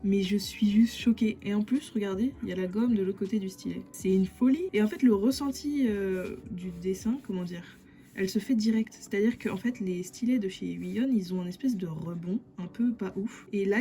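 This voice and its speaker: A woman's voice: mid-range voice, dark tone. A young adult woman chatting casually to viewers in a vlog, rambling enthusiastically and full of slang as a digital artist reviewing gear.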